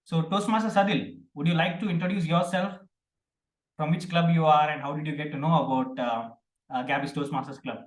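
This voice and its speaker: A man's voice: on the high side, steady tone, a little fast, reverberant, rough recording. A man presiding over an online speaking club meeting, welcoming guests with a friendly tone and frequent fillers. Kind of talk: chairing a meeting. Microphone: video call.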